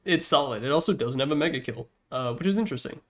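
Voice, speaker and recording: Man, medium pitch, gaming host, casual unscripted commentary, rambling, jokey, self-deprecating. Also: animated, fast.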